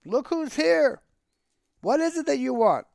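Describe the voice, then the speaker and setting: A man's voice: high voice, expressive, normal speed, clear, resonant tone, no echo, pitched above the performer's own voice. A man voicing a poor, pious Jewish milkman from a storybook, declaiming in a wry, pleading, long-winded way. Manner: declamatory, rhetorical.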